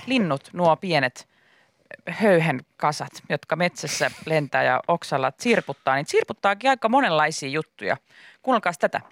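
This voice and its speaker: Lively man chatting on the radio. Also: no room sound. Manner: animated, bursts into high play-acted shouts. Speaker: radio host. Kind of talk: comedic radio chat. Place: radio studio. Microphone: studio mic.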